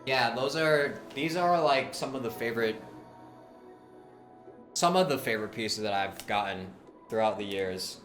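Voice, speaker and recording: A man's voice: medium pitch, expressive, fairly bright tone. Casual man chatting over music. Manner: halting, informal, conversational. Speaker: livestreamer. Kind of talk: casual livestream chat.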